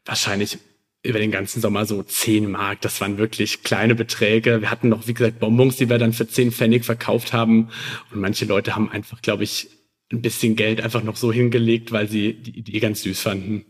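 A man's voice: lowish voice, level tone, a little fast. A man in his thirties chatting casually as a podcast guest, recounting personal memories. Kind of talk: casual chat, telling childhood anecdotes.

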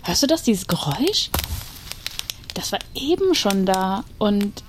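A woman's voice: medium pitch, very animated, measured pace. A woman acting out chatty, scripted dialogue in an audio play. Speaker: podcast host acting in a short audio play. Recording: noisy binaural campfire scene.

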